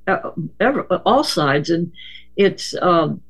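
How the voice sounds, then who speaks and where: A Native American man hosting a casual radio talk, speaking haltingly with many fillers and hesitations. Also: high-pitched, big pitch swings, fairly bright tone.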